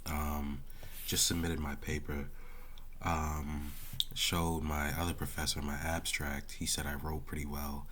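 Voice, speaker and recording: A young man who is sick with a sore throat and losing his voice, rambling haltingly and casually in slangy talk for a personal vlog. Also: rumbling low, little pitch movement, fairly bright tone, a little hiss or hum. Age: young adult. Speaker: college student vlogger.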